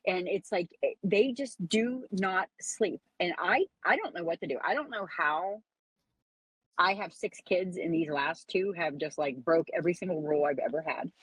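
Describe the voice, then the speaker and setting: A woman's voice: lowish voice, normal speed, breathy edge, no echo, low-quality recording. A woman in her forties, a mother of six, chatting casually and rambling with frequent laughs. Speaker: parent. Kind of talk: casual chat.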